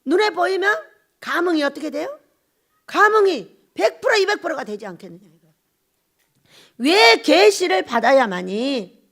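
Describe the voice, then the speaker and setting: A woman pastor giving an emotional sermon, asking her congregation questions and moving between shouts and hushed whispers. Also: extremely high pitch, big pitch swings, normal speed, long pauses. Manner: asks the congregation rhetorical questions.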